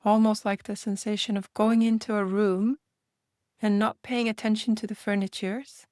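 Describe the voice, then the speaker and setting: A woman leading a guided meditation in a gentle manner, speaking in unhurried invitations with long pauses. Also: medium pitch, flat delivery, no room sound, studio quality.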